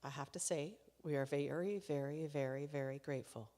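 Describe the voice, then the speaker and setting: A low-voiced woman hosting a concert series introduces the show to a live audience, warm-hearted and chatty, laughing between remarks. She speaks a little fast in a steady tone, her voice carrying a long reverb tail through the hall.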